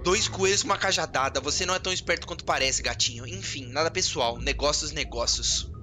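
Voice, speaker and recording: A man's voice: sharp tone, soft background music. A man reading as a smug, treacherous robot dealer. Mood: cold, scheming. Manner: slow, deep, smug delivery of game lines. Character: treacherous male robot dealer, cold and greedy.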